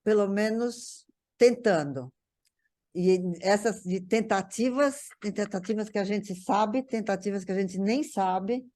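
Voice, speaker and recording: A woman with a Brazilian accent talks casually as a guest, looking back on memories. Her delivery is halting, circling over small words while she gathers the next thought. Her pitch sits in an ordinary range for a woman. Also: dark tone. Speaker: interview guest. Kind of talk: casual reminiscing conversation.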